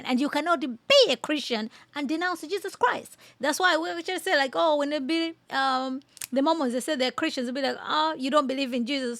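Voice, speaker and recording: A woman from Malawi with a fairly high voice gives casual reaction commentary. She is emphatic and repeats her phrases for stress. The recording is close and dry, with very little room sound. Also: no echo. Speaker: podcast host giving commentary.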